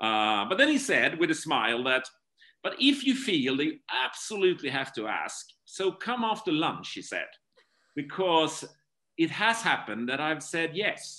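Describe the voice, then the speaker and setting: Bright and sharp in tone, a man with a Swedish accent speaks at a moderate pace, his high pitch swinging very widely. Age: 50s. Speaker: company leader, executive. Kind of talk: interview conversation. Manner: hesitant, filler-heavy.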